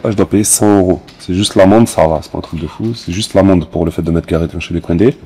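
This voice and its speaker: A man vlogging casually to camera outdoors, slangy and excitable, calling his viewers family. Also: low-pitched, fast, slightly rough. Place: outdoors in a city, around a car pound.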